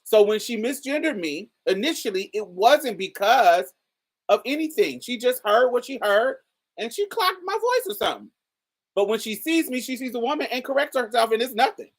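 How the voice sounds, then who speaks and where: A woman with a particularly deep voice, hosting a casual commentary and talking straight to her viewers in an emphatic, chatty way. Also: lively intonation, normal speed, slightly rough. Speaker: host.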